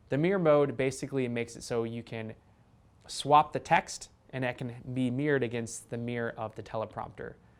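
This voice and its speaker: The delivery has ordinary pitch variation and a fairly quick pace. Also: man, medium pitch for a man. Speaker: video marketing consultant. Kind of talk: tutorial. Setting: video studio set. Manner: casual, unscripted.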